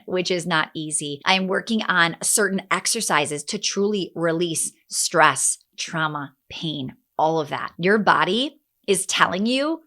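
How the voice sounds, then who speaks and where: A woman in her forties giving an energetic motivational talk to camera as a business coach, emphatic, with quick restarts. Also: fairly low pitch. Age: 40s.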